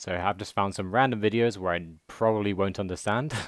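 A man with a British accent speaks at fairly low pitch, the sound dry with no echo over a quiet background. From England. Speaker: language learner youtuber. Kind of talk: casual talk to camera. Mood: confused, puzzled in reactions. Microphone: headset.

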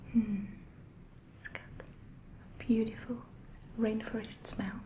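The words are whispered. They come at a very slow pace. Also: woman. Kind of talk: casual talk to camera. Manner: whispered, soft-spoken. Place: home room. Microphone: studio mic.

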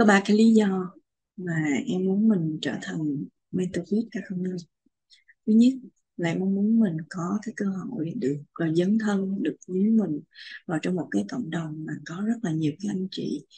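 A woman speaks at a moderate pace with a dark, mellow tone, somewhat breathy, and ordinary pitch variation. She leaves long, frequent pauses against a quiet background. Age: 40s. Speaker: skills trainer and career educator. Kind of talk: application video testimony; application video speech. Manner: formal; halting. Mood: earnest, grateful, polite. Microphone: webcam.

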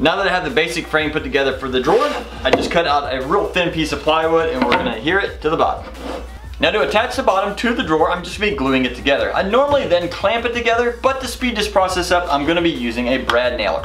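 A man talks very fast in a high pitch. Faint music plays in the background, and room echo is audible. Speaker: DIY woodworking channel host. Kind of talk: tutorial. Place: workshop.

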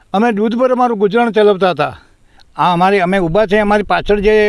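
The speech has ordinary pitch variation, with a dry sound with no echo and a quiet background. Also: man. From Gujarat, Bharuch district (Vagra area); Gujarat. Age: 60s. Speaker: camel herder. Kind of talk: interview testimony. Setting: outdoors. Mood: grieved, complaining. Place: open country. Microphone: handheld.

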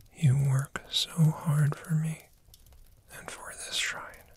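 In a soothing tone, a soft-spoken voice moves at a very slow pace, the sound dry with no echo and light background noise behind it. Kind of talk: ASMR roleplay, soothing sleep talk. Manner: soft, hushed, soothing sleep-aid voice.

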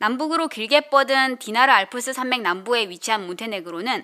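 A woman talks at a fairly quick pace and high pitch, with lively intonation. Her tone is bright and sharp. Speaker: narrator. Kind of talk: scripted narration. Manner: formal.

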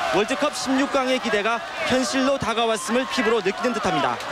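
A man speaks at an extremely high pitch for a man, fairly quickly, with ordinary pitch variation. The sound is dry with no echo, and loud background noise is present. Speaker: field news reporter. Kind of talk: live TV news report. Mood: excited celebratory.

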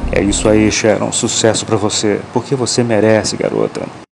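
Keeping a very even loudness, a man speaks in a fairly low pitch with monotone, flat intonation. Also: moderate pace. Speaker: voice-over narrator. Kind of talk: entertainment news narration.

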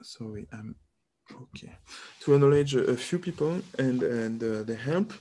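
Strong French accent at a moderate pace, with lively intonation and big swings in loudness. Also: man, medium pitch for a man. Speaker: statistics lecturer. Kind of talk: university lecture. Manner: hesitant, many fillers.

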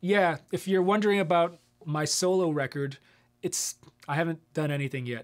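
A man with an American accent speaks in a relaxed tone at a high pitch with ordinary pitch variation. The background is quiet. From Detroit area, Michigan; Michigan. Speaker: guitarist and YouTuber; YouTuber. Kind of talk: casual live-stream Q&A. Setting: live stream at home studio. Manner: relaxed, conversational with many fillers. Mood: relaxed, amused storytelling. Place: studio.

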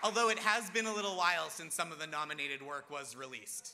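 Over crowd noise in the background, a man speaks at a moderate pace with lively intonation. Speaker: awards show host. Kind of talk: comedy monologue. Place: hall. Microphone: podium.

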